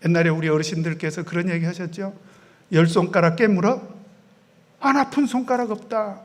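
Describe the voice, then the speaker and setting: Male preacher with a high voice; lively sermon delivery, voices the quoted characters, drops to near whispers. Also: fairly quick. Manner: animated preaching, acting out quoted voices, swinging loud and soft. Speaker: pastor.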